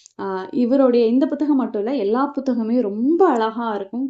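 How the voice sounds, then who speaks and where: With an unremarkable speaking voice, a woman speaks at a fairly high pitch with ordinary pitch variation. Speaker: book reviewer. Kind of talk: book review talk.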